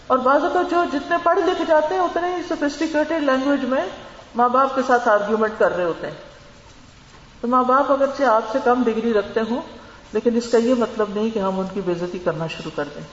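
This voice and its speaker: A woman giving an earnest religious lecture, advising her listeners and mixing in English words. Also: fairly high pitch. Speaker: religious teacher. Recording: echoey hall, dull lo-fi sound.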